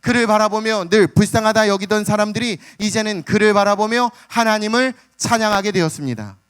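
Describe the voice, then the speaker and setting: A man's voice: high voice, fairly quick, fairly bright tone, clear, resonant tone. A man preaching a sermon as pastor, telling the story with dramatic flair and calling out to the congregation. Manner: dramatic storytelling, acts out the beggar's cries; calls out "hallelujah" and addresses the congregation.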